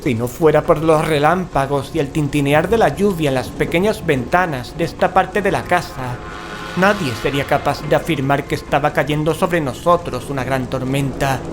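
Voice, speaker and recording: A man's voice: on the high side, normal speed, natural voice. A man playing a frightened paranormal investigator in a horror audio drama, telling of a haunted house with dramatic unease. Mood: ominous narrating. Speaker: narrator and character in an audio drama. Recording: music behind the voice.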